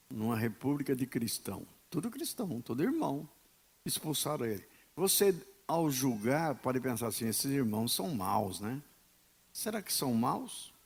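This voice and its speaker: A man with a Brazilian Portuguese accent preaching a sermon as pastor, emphatic, with sharp swings between loud and quiet. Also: mid-range voice. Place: church.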